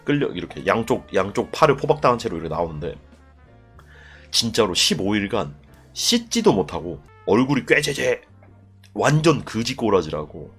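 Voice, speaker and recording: Young man, casual storytelling, swearing, low voice, husky tone, faint music behind. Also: normal speed. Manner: animated, profane, acts out voices with loud bursts. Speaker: streamer telling army stories. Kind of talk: casual storytelling to a live chat.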